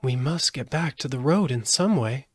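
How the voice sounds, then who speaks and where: A man's voice: mid-range voice, animated, normal speed, slightly rough, dry recording, pitched above the performer's own voice. A man voicing an earnest, polite and eager little girl in a storybook reading. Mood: earnest, concerned. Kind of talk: storybook character voice in audiobook.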